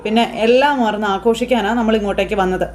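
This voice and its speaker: A woman's voice: medium pitch, quick pace, darkish tone, a little hiss or hum, lightly acted. A woman doing a cocky, dismissive young husband.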